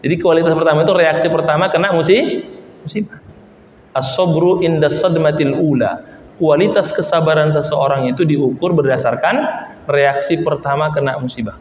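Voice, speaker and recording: A man preaching as an ustadz, telling lively stories from the pulpit and acting out the people in them. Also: on the high side, moderate pace, lo-fi sound, a little hiss or hum. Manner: animated storyteller who acts out quoted voices. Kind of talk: sermon with storytelling. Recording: echoey hall with long reverb.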